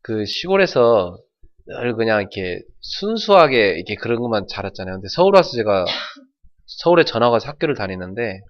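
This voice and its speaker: A middle-aged man from North Jeolla preaching a sermon as pastor, telling folksy stories and shouting out imitations. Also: on the low side, big pitch swings, fairly quick, muffled recording. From North Jeolla, South Korea.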